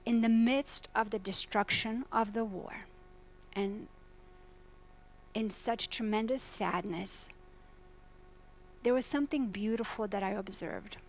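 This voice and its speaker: A woman from Croatia speaks at a business conference, with an earnest, questioning delivery. Her voice sits at a middle pitch and she keeps turning to the audience with direct questions. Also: takes it slowly, long pauses, soft background music. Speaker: faculty presenter. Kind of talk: conference keynote talk. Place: lecture hall at a business summit.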